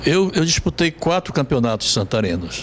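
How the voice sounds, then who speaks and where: A man talks at a moderate speed while noticeable noise sits behind him. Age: 60s. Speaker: retired footballer. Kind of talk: interview. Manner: halting, repeats words.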